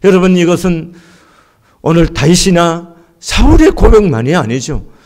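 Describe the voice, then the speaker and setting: A middle-aged pastor from Gangwon Province delivers a sermon with fervor. His voice sits high for a man and leaps widely up and down. He moves between soaring lines and near-hushed ones. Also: sing-song, measured pace. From Gangwon Province, Korea. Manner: impassioned preaching, swings from soaring to hushed.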